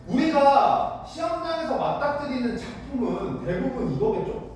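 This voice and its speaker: A man teaching high school literature in a lecture room, blunt and casual, constantly asking students whether they follow. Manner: keeps checking understanding with rhetorical questions; blunt, casual, with mild slang. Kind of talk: classroom lecture. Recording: very echoey room, far from the mic, faint noise.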